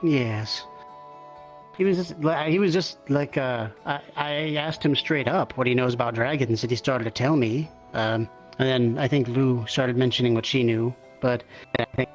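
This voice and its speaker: A man's voice: mid-range voice, normal speed, low-quality recording. Hesitant man in fantasy roleplay, music behind. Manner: hesitant, polite, thoughtful phrasing. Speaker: roleplay player. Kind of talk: improvised in-character fantasy roleplay chat. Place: online virtual reality session.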